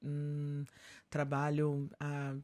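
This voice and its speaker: A woman's voice: deep voice, completely flat delivery, drawn-out words, mellow. A middle-aged woman from Central America, partly raised in Germany, telling her personal story to radio listeners as a guest singer.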